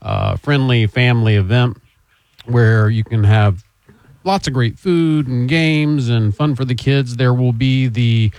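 A man's voice: mid-range voice, unhurried, darkish tone, smooth, dry recording. A man hosting a radio call-in show, easygoing and teasing with his cohosts. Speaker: radio show host, attorney. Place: radio studio.

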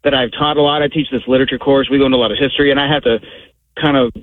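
A man calling in to a radio show, a high school teacher speaking thoughtfully and hesitantly. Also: fairly even intonation, racing, no echo. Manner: hesitant, thoughtful, restarts often. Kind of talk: phoned-in radio call. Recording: tinny phone line.

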